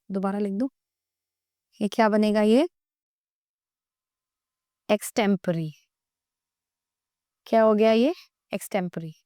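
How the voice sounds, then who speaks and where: A woman with an Indian accent teaching English vocabulary in Hindi, reading English definitions slowly and quizzing her students. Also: mid-range voice, darkish tone, clear, resonant tone, dry recording, studio quality. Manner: explains in Hindi, reads English definitions slowly, asks the class questions. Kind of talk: classroom vocabulary lesson.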